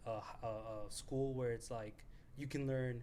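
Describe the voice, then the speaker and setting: A man talks at a medium pitch, and audible room echo hangs around his voice. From Indonesia, then Los Angeles from age 8. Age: 20s. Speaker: stock options trader, entrepreneur. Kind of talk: casual podcast interview.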